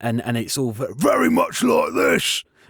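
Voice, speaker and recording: Raspy, put-on character voice from a man, delivered fairly slowly. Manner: forceful, booming.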